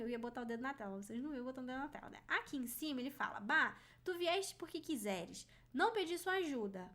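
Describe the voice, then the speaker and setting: A woman's voice: high-pitched, fairly bright tone. A woman giving a casual writing lesson, critiquing a story on screen and reading passages aloud in a chatty, informal way.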